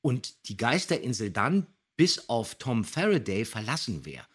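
A man's voice: mid-range voice, sing-song, unhurried, a bit bright, slightly rough. A mature man chatting on a podcast, explaining details with enthusiasm. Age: middle-aged or older. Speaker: podcast co-host, radio play voice actor. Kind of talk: casual podcast talk, explaining.

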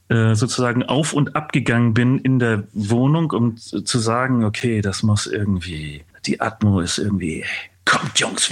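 A man's voice: medium pitch, breathy edge. Demonstrative man explaining as an interview guest. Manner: animated explaining, acts out thoughts, hums motifs. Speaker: composer, podcast guest.

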